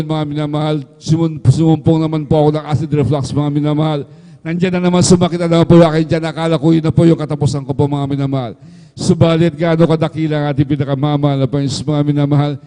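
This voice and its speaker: A man's voice: on the high side, mellow, clear, resonant tone, in a large hall. A middle-aged man giving a fervent testimony at an overnight prayer service, often addressing the congregation. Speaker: church member giving testimony.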